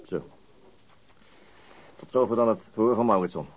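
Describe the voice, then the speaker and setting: An actor playing a weary, unflappable police detective in a radio crime drama, with a dry, laconic manner. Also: male voice, on the low side, moderate pace, muffled recording, lightly acted. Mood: dry, composed.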